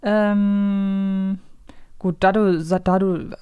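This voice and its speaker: Casting: female co-host, medium pitch, casual game chat, thinking aloud, very close dry sound. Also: level tone, drawn-out words, mellow, clear, resonant tone, no echo, dull audio. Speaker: co-host of a fan show, guessing game player.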